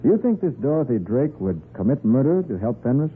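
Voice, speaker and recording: A hard-nosed American detective from a muffled old 1940s radio crime show. He fires questions quickly and firmly in a husky voice, his pitch swinging with wry confidence. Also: very animated. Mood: probing. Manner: probing, firm, wry.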